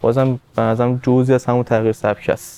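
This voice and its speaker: At a very fast pace, a man speaks at medium pitch in monotone, flat intonation with a dry, close sound with no echo. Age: young. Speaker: young interviewee. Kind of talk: interview.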